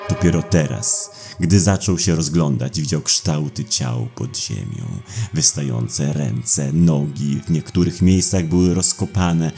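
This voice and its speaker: A man's voice: very deep voice, a little mellow. A man reading scripted, dramatic horror narration for an audio drama. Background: music.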